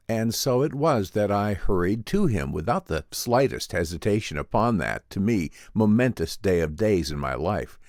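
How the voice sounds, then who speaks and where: A man narrates classic science fiction in a low, dry-recorded voice. His delivery is earnest and theatrical, with animated rises and falls. The phrasing is formal and scripted, like an audiobook dramatic reading. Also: no room sound.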